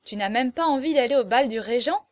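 A woman's voice: a little high, brisk, no room sound, natural voice. A woman reading aloud, voicing a playful, headstrong young gypsy woman who teases and insists. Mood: teasing. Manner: teasing, insistent, theatrical.

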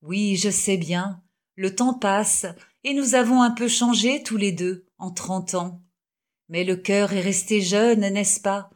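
A woman reading the lines of a warm, jovial middle-aged male doctor in an audiobook, cordial and effusive. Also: mid-range voice, fairly even intonation, takes it slowly, lightly acted. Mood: tender.

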